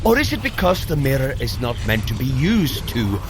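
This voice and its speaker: Male actor as steadfast thunder god, audio drama, grand formal phrasing, lively varied intonation, background noise. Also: mid-range voice, normal speed, lightly acted. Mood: dry, teasing. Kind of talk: dramatized audio adventure acting.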